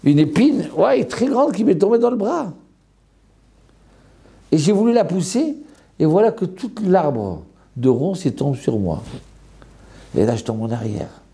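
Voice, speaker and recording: Gravelly rabbi telling a dramatic story. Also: male voice, fairly high pitch, warm tone. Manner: dramatic storyteller, voicing characters. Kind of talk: storytelling sermon.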